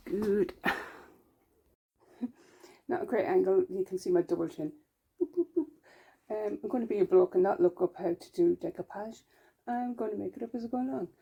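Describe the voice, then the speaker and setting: A woman's voice: mid-range voice, unhurried, vocal fry, pauses often, slightly rough, muffled recording. A woman with an Irish accent chatting casually at home for her vlog, rambling and poking fun at herself. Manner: chatty, rambling, self-mocking. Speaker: vlogger. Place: at home, indoors.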